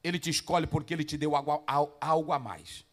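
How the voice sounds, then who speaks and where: A pastor preaching to pastors, swinging between loud shouted passages and low asides and firing rhetorical questions at the listeners. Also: male voice, steady tone, fast talker. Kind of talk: Pentecostal-style preaching to pastors.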